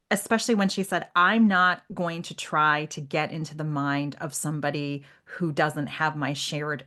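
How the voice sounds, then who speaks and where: A woman's voice: deep voice, sharp tone. A woman co-hosting a podcast in a casual literary discussion. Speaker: podcast co-host.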